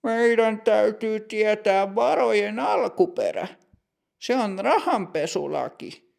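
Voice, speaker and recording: A man voicing a strict older female bank clerk in a story lesson, speaking slowly and formally with a gravelly edge. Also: sits high, expressive, darkish tone, voice pushed up, exaggerated voice. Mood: stern. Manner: slow, precise, formal.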